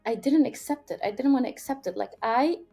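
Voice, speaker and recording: Higher-voiced Syrian-born woman. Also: fairly quick, vocal fry, slightly rough, soft background music. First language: Arabic. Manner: earnest, animated, many fillers and restarts. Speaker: podcast guest. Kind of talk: conversational interview storytelling.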